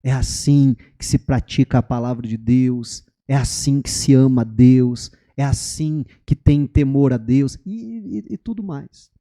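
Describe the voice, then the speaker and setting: A man's voice: mid-range voice, measured pace. A male pastor preaching a sermon in church, telling a story and often checking in with the congregation. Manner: animated storytelling, keeps asking the congregation "né?" and "amém". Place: church during a live service.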